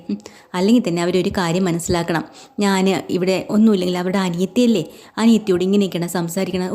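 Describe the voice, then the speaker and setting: A woman's voice: medium pitch, dark tone, natural voice. Woman voicing an indignant young wife. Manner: indignant, complaining. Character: young wife, angry and resentful.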